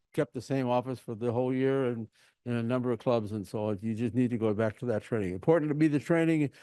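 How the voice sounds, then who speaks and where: A man's voice: medium pitch, warm tone, no room sound. An older man giving informal meeting announcements as the host, rambling and emphatic in his endorsements.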